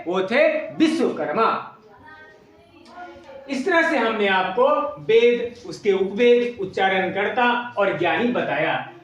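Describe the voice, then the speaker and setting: A man teaching an exam coaching lesson, asking questions and then repeating the answers slowly. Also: high-pitched, recorded from a distance. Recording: echoey room, voice away from mic.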